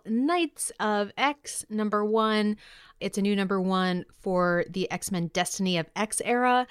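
A woman's voice: mid-range voice, smooth, no echo, studio quality. A woman co-hosting a podcast, presenting upbeat comic-book news in an enthusiastic, playful, slangy way. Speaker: podcast co-host.

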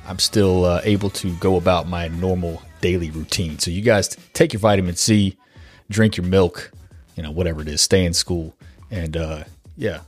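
A man hosting a podcast with a casual, rambling manner, his voice stuffed up and nasal from a cold. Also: lowish voice. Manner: rambling, chatty, with fillers and self-corrections. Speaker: podcast host. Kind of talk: casual podcast intro monologue.

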